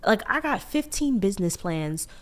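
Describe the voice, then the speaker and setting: A young adult woman co-hosting a podcast, talking through relationship lessons in an animated, reflective way. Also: mid-range voice. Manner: animated, reflective, fast-talking when wired. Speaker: podcast co-host. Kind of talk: casual relationship chat.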